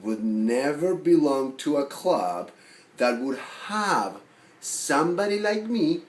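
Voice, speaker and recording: A man performing a monologue as a neurotic, self-deprecating, lovelorn forty-year-old who rambles haltingly. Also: a little high, expressive. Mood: dry, confiding. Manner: halting, rambling, full of fillers and restarts. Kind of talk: dramatic film monologue acting. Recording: roomy echo with faint background noise.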